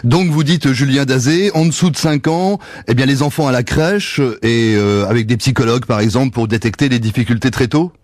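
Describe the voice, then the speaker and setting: Homme français, animateur radio au son sec. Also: male voice, medium pitch, fairly quick, a little mellow, dry recording, clean studio sound. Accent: French from France. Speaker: radio interviewer, host. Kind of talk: broadcast presenting and interviewing.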